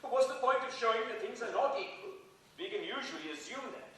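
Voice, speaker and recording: A man's voice: very high-pitched, expressive, a little fast, pushed and bright, heavily acted. A man playing an indignant, sarcastic friend, speaking with biting emphasis in a staged play reading. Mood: scornful. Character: Alfred, indignant, sarcastic male friend scolding a mathematician. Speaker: actor in a dramatised play reading. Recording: very echoey hall, distant microphone.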